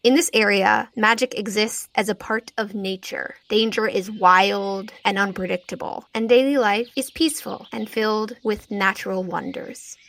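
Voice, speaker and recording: A woman's voice: medium pitch, fairly even intonation, normal speed, hardly any pauses, a bit bright. Female host and game master, mid-range voice, descriptive tabletop story narration. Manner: descriptive, scene-setting.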